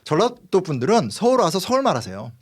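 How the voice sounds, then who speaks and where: Seoul guy talking history fast, kinda high voice, lots of um and uh. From Seoul, South Korea. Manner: fast, lively lecturing with frequent fillers. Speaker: history commentator guest. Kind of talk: explanatory political talk.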